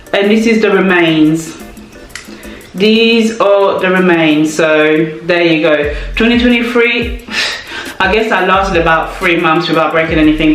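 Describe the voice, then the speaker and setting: A woman vlogging an unboxing, joking and exasperated, talking in long, drawn-out stretches. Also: mid-range voice. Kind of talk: casual unboxing chat. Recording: very roomy, from a distance.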